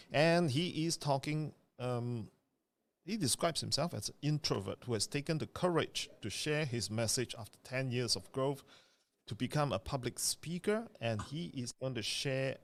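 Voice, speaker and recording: Chatty man hosting an online event. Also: mid-range voice. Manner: chatty, with frequent fillers. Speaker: event host. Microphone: video call.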